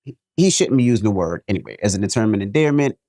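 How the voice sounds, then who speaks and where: New york guy on a podcast, jokey and animated, reads an email then rambles his take, dry room. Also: on the low side, quick pace, no echo. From New York City. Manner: animated, jokey, repeats himself. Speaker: podcast co-host. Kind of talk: casual chat, reading a listener email.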